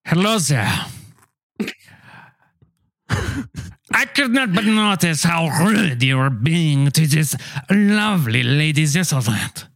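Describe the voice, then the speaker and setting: A man's voice: fairly high pitch, big pitch swings, fairly bright tone, no echo, clean studio sound, exaggerated voice. A man playing a pompous French train waiter with a put-on French accent, drawling insults in an improv comedy scene. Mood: haughty. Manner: haughty, insulting, slow drawl.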